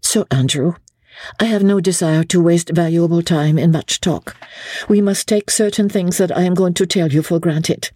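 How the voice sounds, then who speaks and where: A woman's voice: fairly low pitch, moderate pace, warm tone, no room sound, studio quality, voice pushed up, natural voice. A woman voicing an earnest, desperate English lady in a dramatic audiobook, urgent and resolute as she pleads. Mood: grave, resolute.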